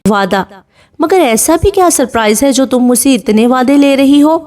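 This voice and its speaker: A woman voicing an ailing older father who speaks slowly and affectionately to his daughter in a storybook reading. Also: high voice, darkish tone, distant mic, voice pushed up, natural voice. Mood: fond. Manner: slow, affectionate.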